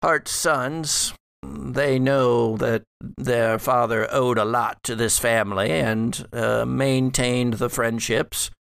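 A man performs a scheming, scholarly old patriarch speaking from beyond death in a horror roleplay. The voice is smooth but creaky, captured dry and close. The phrasing is formal and deliberate, with halting pauses as he reasons. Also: mid-range voice, fairly even intonation, fairly bright tone, no room sound. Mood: measured, secretive. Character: dead old male ancestor, scholarly, wry, scheming. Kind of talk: improvised tabletop horror roleplay.

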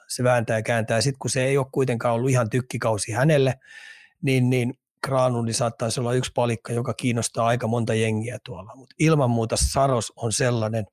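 A man's voice: medium pitch, little pitch movement, no room sound, studio quality. A man co-hosting a casual sports podcast, speculating at length and repeating words while he thinks. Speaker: podcast co-host, hockey analyst.

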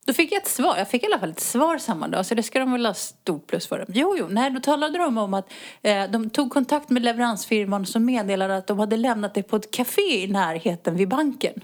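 A woman's voice: on the high side, lively intonation. A woman in her forties co-hosting a podcast, chatting casually and telling stories with frequent laughs. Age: 40s. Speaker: podcast co-host. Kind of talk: casual chat.

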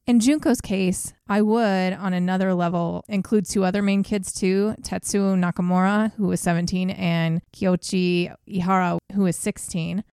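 A woman's voice: medium pitch, steady tone, normal speed, hardly any pauses, a little mellow, smooth, dry recording, studio quality. A woman co-hosting a podcast, telling a true crime case in a blunt, casual way with swearing. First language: English. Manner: blunt, swears, laughs at grim moments.

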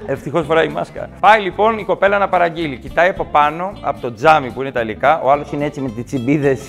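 A man doing stand-up comedy on stage with a raised, fairly high voice, animated and slipping into quick character voices. Music plays faintly behind him. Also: vocal fry.

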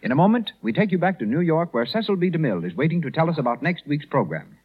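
Brisk announcer on an old 1930s radio broadcast. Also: male voice, fairly high pitch, very animated, background noise. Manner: brisk, formal announcer delivery. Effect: old 1930s radio broadcast sound. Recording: muffled vintage radio recording.

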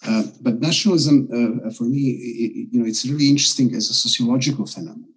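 Husky-voiced man lecturing over a call. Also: mid-range voice, rough recording. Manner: measured, many restarts and fillers. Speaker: guest scholar. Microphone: video call.

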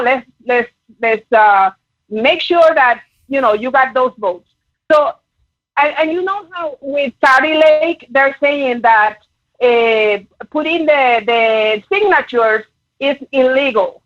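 Puerto Rican-accented woman caller, high voice, halting and earnest, dull phone audio. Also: dry recording. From Puerto Rico. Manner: earnest, halting, many fillers. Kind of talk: call-in chat.

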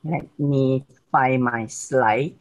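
A woman in her sixties with a Malaysian accent, speaking as a guest on a video call, warm and grateful, often laughing. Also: very deep voice, drawn-out words, highs cut off. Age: 60s.

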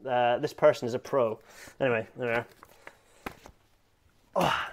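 A man with a hybrid Scottish accent talks casually over a video call from home, at an ordinary middle pitch. He rambles from topic to topic, throwing in self-mocking asides and quick jokes. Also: fairly even intonation. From Scotland. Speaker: podcast co-host. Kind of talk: casual chat. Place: home room.

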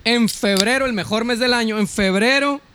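A man's voice: very high voice, normal speed, sharp tone, slight background noise. A man with a Mexican Spanish accent telling stories in crude, slangy casual banter as a podcast co-host. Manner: crude slangy storytelling, frequent laughter.

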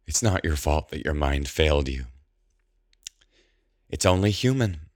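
A man voicing a menacing, mocking sorceress with a quick temper in a theatrical, emphatic audiobook style. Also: rumbling low, lively intonation, dry recording, clean studio sound, exaggerated voice. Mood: condescending.

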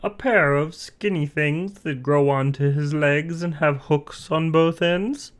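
A man's voice: on the high side, takes it slowly, voice pushed up. A man voicing a skeptical goldfinch in a storybook, asking questions in a raised voice.

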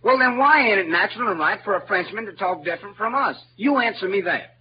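The actor's high, animated voice moves at a quick pace as he plays Huck, a clever frontier boy who brags in a rural Southern dialect. His lecturing comes across bright, showy, and know-it-all. This old-time radio drama has a dull lo-fi sound with music and a little hiss or hum.

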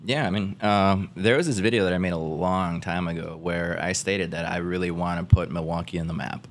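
A man from Guatemala, a podcast guest, telling his story in a laid-back way with many pauses and fillers. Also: sits low, steady tone. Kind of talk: casual conversational interview.

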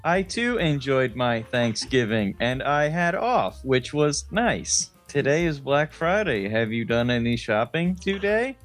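A man co-hosting a comedy podcast in casual chat, laid-back, crude in his jokes and quick to laugh. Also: mid-range voice, big pitch swings, faint music behind. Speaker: podcast co-host.

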